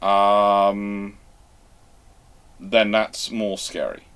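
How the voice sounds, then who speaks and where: Man explaining in halting, emphatic bursts. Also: on the low side, little pitch movement, fairly bright tone, smooth. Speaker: host answering viewer questions. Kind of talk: live question-and-answer talk on naval history.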